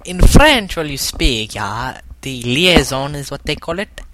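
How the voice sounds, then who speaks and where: A man's voice: medium pitch, big pitch swings, measured pace, heavy background noise. A man co-hosting a comedic podcast, playful and agreeable, often repeating his words. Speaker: podcast co-host.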